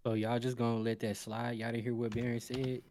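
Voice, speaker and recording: A man's voice: medium pitch, level tone, a little fast, a little mellow, no echo. A man bantering in an informal, slangy way as a panelist on a gaming show. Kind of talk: casual bantering talk.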